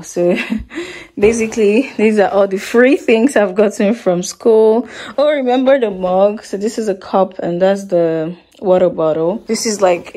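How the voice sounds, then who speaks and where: A woman's voice: lowish voice, warm tone. A woman in her twenties from Nigeria, with a Nigerian accent, chatting casually as a vlogger into a phone held at arm's length. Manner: chatty, quick asides. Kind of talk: casual vlog chat.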